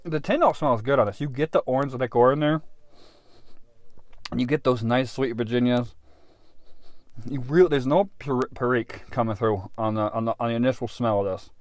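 A man in his thirties giving a casual off-the-cuff product review, halting and unhurried as he thinks aloud, recorded in a car. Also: mid-range voice, no room sound. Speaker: pipe tobacco reviewer. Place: inside a parked car.

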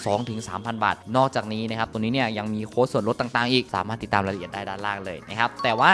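Fast-talking hype seller, a man, over music. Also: fairly low pitch, fairly bright tone. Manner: fast hype seller urging viewers to buy. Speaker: tech reviewer and channel host. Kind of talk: scripted product rundown with sales pitch.

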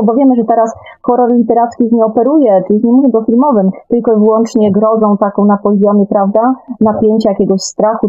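A woman's voice: medium pitch, dark tone. A woman explaining her points emphatically in an unscripted radio discussion, repeating and rephrasing as she goes. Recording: slightly dull lo-fi radio talk audio.

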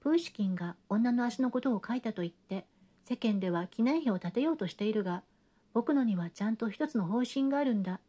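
An arrogant young man sneers and lectures, heaping scorn in a mocking tone, as a woman reader puts him on. The reading voice is a little high but mellow. It is a classic-novel audiobook. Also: animated, fast. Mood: scornful.

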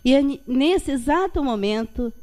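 Lady from rio doing a chatty spiritual lecture, kinda high voice, reflective, lots of little tag questions. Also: animated, moderate pace, a little mellow. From Brazil. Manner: reflective, frequent checking tags. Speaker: guest lecturer at a Spiritist centre. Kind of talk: religious public talk, informal and conversational. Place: meeting hall with projection screen.

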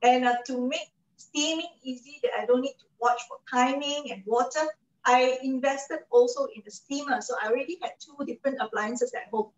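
Malaysian woman in her forties, high voice, persuasive host, echoey distant webcam sound, muffled. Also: moderate pace. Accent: Malaysian English. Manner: chatty, persuasive, checks in with "okay?" and "right?". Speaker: cooking show host and product advisor. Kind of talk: product presentation to an online audience. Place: home kitchen, indoors.

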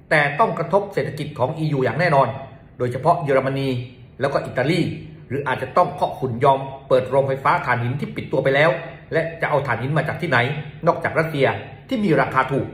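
A man's voice: on the high side, fairly bright tone. A man presenting a news commentary to viewers, reading it out politely and adding courteous particles as he goes. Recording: roomy echo.

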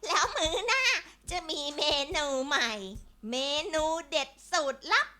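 A woman's voice: high voice, big pitch swings, measured pace, pushed and bright, heavily acted. A woman voicing a scheming frizzy-haired witch in a children's story, with a theatrical, cackling, sing-song manner. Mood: coaxing, gleeful. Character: frizzy-haired scheming witch, gleefully cooking junk food. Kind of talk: exaggerated children's story acting.

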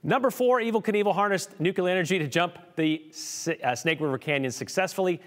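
A middle-aged man hosting a TV segment in a studio, playful and jokey, reading trivia with a lively delivery. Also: high voice, fairly quick, in a large hall. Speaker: TV show host. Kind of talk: lively scripted TV segment with jokes. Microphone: studio mic, standing presenter.

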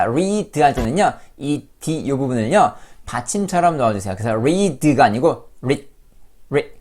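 A man giving an online pronunciation lesson, modelling phrases slowly and then singing them. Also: mid-range voice, darkish tone. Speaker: English pronunciation teacher. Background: pop music.

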